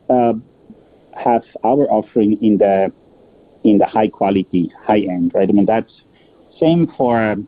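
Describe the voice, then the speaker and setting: Low-voiced executive man on phone line. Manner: halting, repeats words, explanatory. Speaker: company executive answering analyst questions. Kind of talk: spontaneous earnings call answers. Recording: muffled, narrow-band phone conference line.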